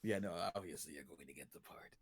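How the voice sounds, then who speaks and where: A man's voice: rumbling low, fast, background noise. A man chatting casually and jokingly as a guest animation director on a livestream. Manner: joking, informal, laughs easily.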